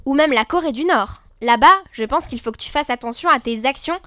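A young woman co-hosting a scripted debate show, expressive and playfully indignant. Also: high-pitched, a little fast, dry recording, clean studio sound. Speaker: co-host.

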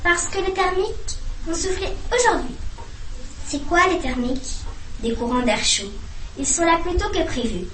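A woman's voice: very high-pitched, lively intonation, moderate pace, fairly bright tone, voice pushed up. Woman voicing an old owl teacher, firm and kindly, encouraging instructions, storybook reading, roomy echo. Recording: roomy echo, distant mic, faint hum.

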